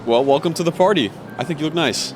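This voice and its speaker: A man playing a courteous, easygoing gentleman employer. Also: on the high side, quick pace, background noise, natural voice. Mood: genial. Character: polite, genial adult gentleman employer.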